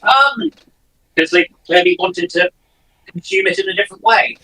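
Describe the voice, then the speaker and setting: A man with a slightly high-pitched voice chats as a panelist. His delivery is casual and somewhat tentative, feeling his way through each point. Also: sing-song, normal speed, vocal fry, bright, forceful tone, low-quality recording. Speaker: panelist on a live discussion. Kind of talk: casual chat.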